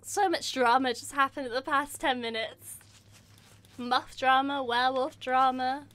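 High-pitched girl streamer, excitable gaming commentary, lots of yelping and laughing, kinda slow talker. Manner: excitable, yelps and laughs often.

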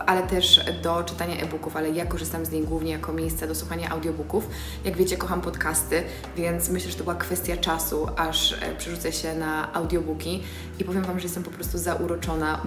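A young woman with a fairly low voice talks to her phone camera from a bright living room, chatty and eager, filling pauses with little hesitation sounds. Her voice rings in the bare room, and music plays clearly underneath. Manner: chatty and enthusiastic, with many filler sounds. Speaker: vlogger. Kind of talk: casual vlog chat to camera. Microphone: phone camera on a tripod nearby. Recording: roomy echo with music behind.

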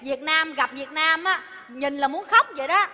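Brief: shrill, bossy restaurant wife, high and sharp, comedy sketch, hall reverb. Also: female voice, moderate pace. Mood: complaining. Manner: scolding, theatrical. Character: bossy nagging Vietnamese-American restaurant wife.

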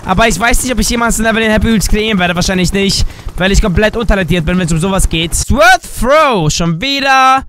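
A young man with a cold and a dry voice, giving energetic, jokey let's-play commentary as a gaming YouTuber. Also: high-pitched, a little hiss or hum. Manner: excitable, jokey, switches between shouts and drawn-out slow words.

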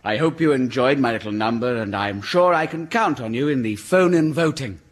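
An actor playing a smug, scheming laird in a radio comedy. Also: male voice, medium pitch, animated, normal speed, lightly acted. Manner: smug, showboating.

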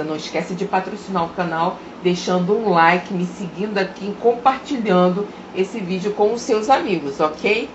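A woman teaching a grammar lesson, sounding out example words slowly and deliberately. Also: medium pitch. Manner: slow, drawn-out pronunciation of example words. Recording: roomy, dull lo-fi recording with faint hiss.

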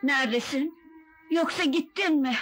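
High-voiced, devoted, emotional wife. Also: female voice, a little slow, fairly bright tone. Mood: tender. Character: devoted, emotional young wife and protective mother. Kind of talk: old Turkish melodrama film acting.

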